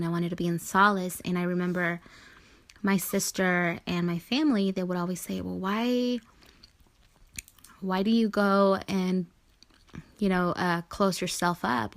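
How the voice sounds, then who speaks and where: Low-pitched woman hosting a talk show. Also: fairly even intonation, moderate pace. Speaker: show host. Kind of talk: conversational spiritual talk-show discussion.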